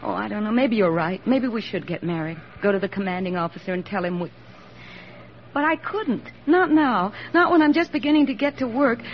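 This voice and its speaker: An actress playing an eager young army nurse in a 1940s radio drama, earnest and soft-spoken, on a dull old radio recording. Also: female voice, mid-range voice, animated, brisk, slight background noise, close to an everyday voice.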